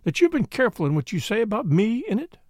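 Sister role, male reader: middle-aged woman, self-assured, pointed, knowing, higher voice, audiobook. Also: big pitch swings, fast, darkish tone, dry recording, clean studio sound.

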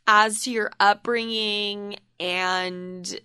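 A woman's voice: mid-range voice, steady tone, extremely slow, bright, forceful tone, clear, resonant tone, no room sound, clean studio sound. A woman in her twenties hosting a casual podcast, giggly and playful, swearing casually. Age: 20s. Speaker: podcast host.

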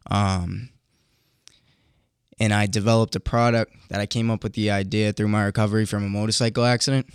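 A man's voice: on the low side, level tone, fairly quick, clean tone, no echo, clean studio sound. A young man in his twenties with a Boston accent, introducing himself casually as a podcast guest. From Boston, USA. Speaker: podcast guest, new entrepreneur. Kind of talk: casual self-introduction and question.

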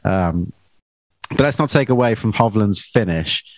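A man with a fairly low voice and dry, close sound chats casually about golf. He retells play shot by shot like an informal commentator, sprinkling in filler words as he goes. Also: lively intonation, unhurried, no echo, poor audio. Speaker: golf podcast co-host.

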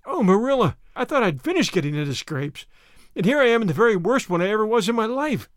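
A man's voice: sits high, big pitch swings, brisk, no room sound, clean studio sound. A man voicing a young imaginative girl, impulsive and dramatic, speaking in a breathless, distressed way. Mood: distraught.

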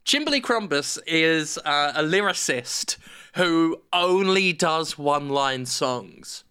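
Man, high voice, bright tone, deadpan comic riffing, podcast co-host. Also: slow pace, clear, resonant tone. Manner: deadpan, spins absurd made-up stories. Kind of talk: improvised comedy chat.

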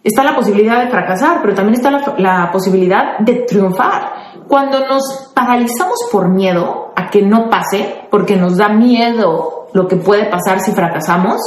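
A woman's voice: a little high, reverberant. A woman with a Mexican accent, a life coach hosting a podcast, giving listeners motivational advice in a conversational way. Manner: warm, conversational, answers listeners by name.

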